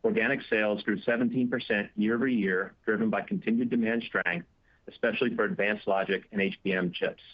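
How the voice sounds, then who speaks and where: A man's voice: lowish voice, fairly even intonation, brisk. A man in a finance chief's role giving a prepared report of financial results, reading figures formally and steadily. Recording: dull, band-limited conference call audio.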